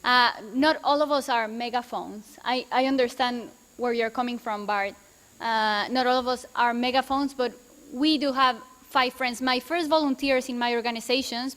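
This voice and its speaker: Female panelist, notably high voice, emphatic and idealistic, speaking live in a reverberant hall. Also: fairly bright tone. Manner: emphatic, idealistic, repeats phrases. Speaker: debate panelist. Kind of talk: spontaneous persuasive panel talk. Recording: echoey hall, long reverb.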